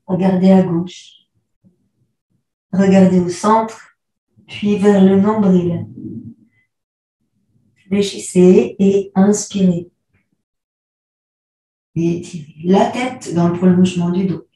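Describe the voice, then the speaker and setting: A woman yoga teacher guiding a class through postures, calmly cueing breath and movement step by step. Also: fairly low pitch, takes it slowly, long pauses, far from the mic. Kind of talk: guided yoga class instruction. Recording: echoey room, voice from afar.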